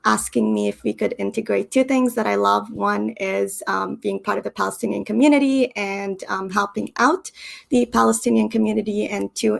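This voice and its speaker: Gravelly-voiced woman hosting a stream. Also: medium pitch. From Canada. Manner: hesitant, many ums and uhs. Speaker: channel host. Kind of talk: casual explanatory talk. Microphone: stream setup.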